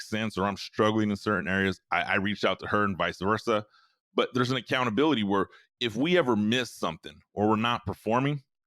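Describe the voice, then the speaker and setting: On a very clean recording with a silent background and a dry, close sound with no echo, a man with a bright, sharp tone and fairly low pitch talks at a fairly quick pace with lively intonation. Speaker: podcast host. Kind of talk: solo podcast monologue. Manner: mumbles sometimes; casual, conversational.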